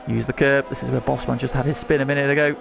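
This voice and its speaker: A man's voice: medium pitch, level tone, fast talker, vocal fry. A man working as lead motorsport commentator on a race, calling the action in short present-tense phrases.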